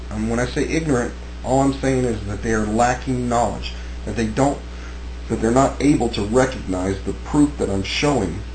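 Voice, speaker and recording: Audible room echo and noticeable background noise fill the recording. A man talks at a moderate pace in an American accent. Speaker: conspiracy video maker. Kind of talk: monologue. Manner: halting.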